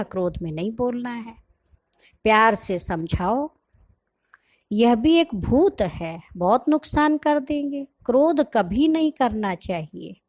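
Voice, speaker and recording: A woman giving a gentle spiritual sermon, quoting her teacher's words and explaining them. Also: mid-range voice. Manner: gentle, explanatory, quotes the teacher then comments. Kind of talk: sermon explaining a scripture reading.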